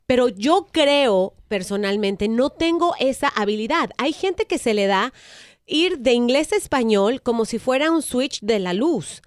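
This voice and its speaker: A woman co-hosting a morning radio show, chatty and quick to react. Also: on the high side, animated, no echo, studio quality. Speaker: radio co-host.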